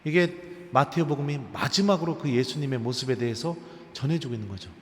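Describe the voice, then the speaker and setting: A Catholic priest lectures a live audience in a large cathedral, his mid-range voice a little fast, telling funny stories in a lively, humorous way and quizzing his listeners. Long cathedral reverb fills the recording.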